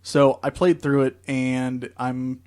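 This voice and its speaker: A man's voice: mid-range voice, little pitch movement, slow, a little mellow. A young man co-hosting a podcast, telling long easygoing stories in casual chat. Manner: easygoing, rambling storyteller. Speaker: podcast co-host. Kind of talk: casual chat about video games.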